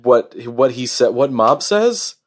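A man in the middle of an excited podcast chat, breaking down a favorite anime scene. He stumbles over his words and restarts often, and his voice sits at an ordinary middle pitch. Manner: enthusiastic, halting with fillers and restarts. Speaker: podcast co-host. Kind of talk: casual anime review chat.

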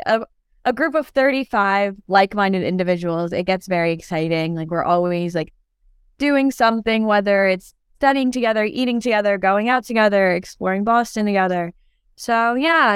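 Chatty young woman, very clear voice. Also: mid-range voice, no room sound, studio quality. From born in Turkey, raised in New York. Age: young adult. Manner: chatty, lots of "like" and "um" fillers. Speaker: dental student guest. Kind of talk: casual podcast interview.

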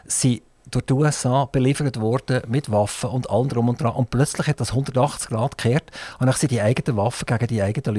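Swiss German radio host, rambling questions. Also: male voice, medium pitch, darkish tone, no room sound. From Switzerland. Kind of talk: radio interview. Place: radio studio.

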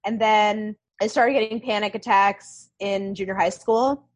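A woman chatting as a guest on a podcast, bubbly and talkative, full of quick asides. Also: medium pitch, steady tone. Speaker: podcast guest, nonprofit founder. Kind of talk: casual podcast chat.

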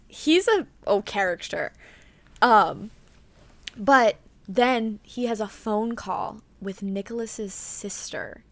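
A young woman talks through a true-crime case on her podcast in a loose, rambling way, leaning on "like" and "um" and reading from her notes. Her voice is mid-pitched and close to the mic. The sound is dry, with no room around it. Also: dry recording. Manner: chatty, full of "like" and "um", reads notes aloud. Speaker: podcast co-host. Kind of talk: casual true-crime chat.

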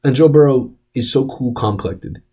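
A young man co-hosting a casual sports podcast, talking in an animated, rambling way full of restarts and fillers. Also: medium pitch, moderate pace. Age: young adult. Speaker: podcast co-host. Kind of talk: casual chat.

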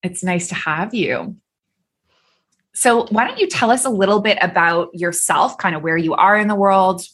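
A woman's voice: medium pitch, lively intonation, moderate pace, fairly bright tone, breathy edge. A woman from Canada hosting a podcast, upbeat and enthusiastic with her guest. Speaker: podcast host. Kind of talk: podcast interview.

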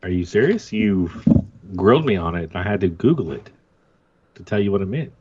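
A man's voice: low-pitched, very animated, fairly quick, highs cut off, background noise. A man in his thirties co-hosting a sports podcast, laid-back and jokey in casual banter. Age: 30s. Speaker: podcast co-host.

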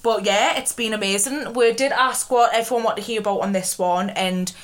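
A woman's voice: medium pitch, fairly even intonation, fairly quick. Teasing young Geordie woman. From North East England. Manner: teasing, chatty, laughs often. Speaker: podcast co-host. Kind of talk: casual chat.

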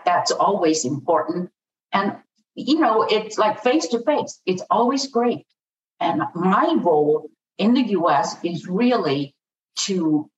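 A woman speaking as a podcast guest, halting, with many fillers and restarts. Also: on the low side, a little hiss or hum. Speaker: podcast guest, biotech partnering advisor. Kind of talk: conversational panel discussion. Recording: distant, echoey, dull remote audio.

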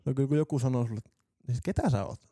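A man's voice: mid-range voice, expressive, mellow, husky, no room sound, clean studio sound. A man from Turku co-hosting a casual podcast chat, telling sweary, joking anecdotes. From Turku, Finland. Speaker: podcast co-host.

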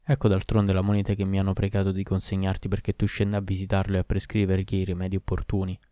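A man's voice: deep voice, completely flat delivery, fast talker, warm tone, no echo, lightly acted. A man voicing a dutiful female servant in a storybook reading, speaking plainly.

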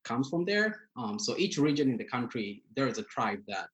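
A man from Tanzania, a guest on a podcast, speaking in a measured way with pauses and fillers. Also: medium pitch, big pitch swings, a crowd in the background, rough recording. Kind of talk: casual interview.

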